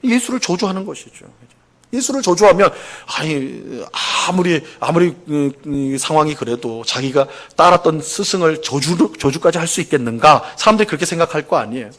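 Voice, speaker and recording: A man's voice: on the high side, animated, a little fast, fairly bright tone. A man preaching a Sunday sermon as pastor, asking the congregation questions and acting out the quoted lines. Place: church sanctuary.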